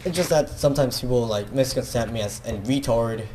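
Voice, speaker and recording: A man's voice: medium pitch, a little fast, a little mellow, slight background noise. A young man with a Filipino accent, rambling self-consciously in a casual video, full of fillers and restarts. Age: teenager. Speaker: gaming video creator.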